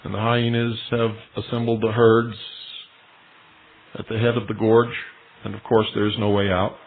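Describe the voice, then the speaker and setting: A man's voice: lowish voice, level tone, normal speed. A male radio host giving an earnest, insistent retelling in a talk monologue. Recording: tinny shortwave radio broadcast.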